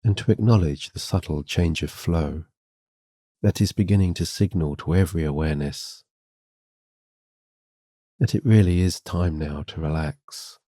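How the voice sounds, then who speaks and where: A man with an exceptionally deep, mellow voice leads a guided sleep meditation. His delivery is gentle and soothing, reading a hypnosis script with a calming, guiding manner. The sound is close and dry. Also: a little slow, pauses often, no echo.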